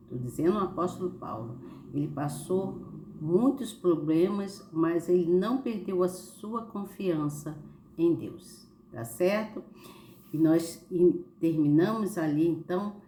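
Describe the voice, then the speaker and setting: Brazilian woman, slight cold, soft dark timbre, informal devotional teaching, frequent check-in tags, echoey living room. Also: low-pitched. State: slight cold with occasional cough. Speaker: host of a Bible study channel. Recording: roomy echo, faint background noise.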